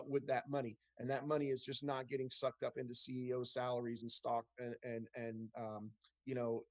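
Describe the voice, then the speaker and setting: A middle-aged man, a political candidate, answering town hall questions earnestly over a video call, with frequent restarts and fillers. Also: medium pitch. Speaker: congressional candidate.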